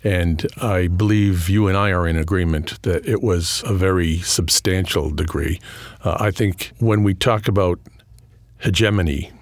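Deep-voiced New England professor. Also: male voice, dry recording. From New England, just outside Boston. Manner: thoughtful, measured, many fillers and restarts. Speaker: history professor and author, guest. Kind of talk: interview.

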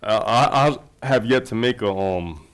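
A man's voice: mid-range voice, unhurried, smooth. A man, a documentary filmmaker, talking casually in a conversation, loose and rambling with many fillers and restarts.

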